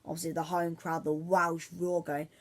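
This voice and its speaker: A man's voice: fairly high pitch, level tone, moderate pace. Rambling guy talking football. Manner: rambling, says "obviously" constantly, many restarts; fan-like, insistent about his team. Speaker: football vlogger. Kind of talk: casual football predictions vlog.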